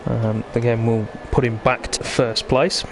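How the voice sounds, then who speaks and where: A man's voice: mid-range voice, flat delivery, a little slow, background noise. A man hosting live esports racing commentary in a chatty, conversational way, bantering with his co-commentator. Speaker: sim racing commentator and host.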